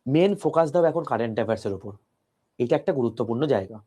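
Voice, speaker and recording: Soft-spoken male physics teacher, mellow tone. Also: medium pitch, animated, racing. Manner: talks softly to a close mic, explaining step by step with rhetorical questions. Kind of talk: online class lecture. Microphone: close mic.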